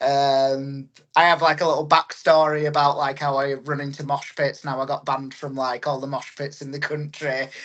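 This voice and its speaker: Speaking at a moderate pace, the voice runs with hardly any pauses and keeps a monotone, flat intonation. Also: man, fairly high pitch for a man. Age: 30s. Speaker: professional wrestler and promoter. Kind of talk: podcast interview. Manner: casual, many fillers.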